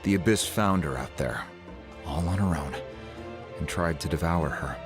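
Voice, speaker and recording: An actor playing a gruff older tribal chief, a weary uncle figure telling stories in a video game. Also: male voice, extremely low pitch, moderate pace, over music. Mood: explaining.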